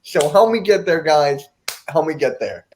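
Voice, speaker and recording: A man guesting on a sports podcast, friendly and relaxed, plugging his channel. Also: fairly high pitch, normal speed, slight background noise. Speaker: guest youtuber. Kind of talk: casual podcast chat.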